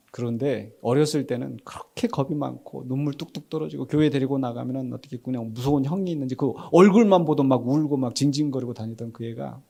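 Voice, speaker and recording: A middle-aged man preaching a Sunday sermon in a conversational, animated way, asking the congregation questions and answering them himself. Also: medium pitch, gravelly. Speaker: pastor. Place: church sanctuary.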